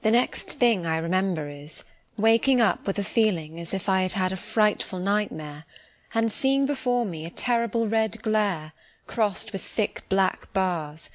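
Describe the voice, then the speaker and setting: A woman narrating an audiobook of a classic novel in a measured, expressive reading. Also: medium pitch. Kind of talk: scripted narration.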